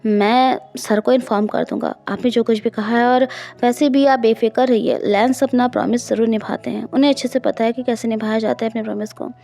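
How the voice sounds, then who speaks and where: A woman's voice: on the high side, steady tone, a little fast, hardly any pauses, dark tone, natural voice. A woman voicing a polite, formal male assistant in an audiobook. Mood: reassuring.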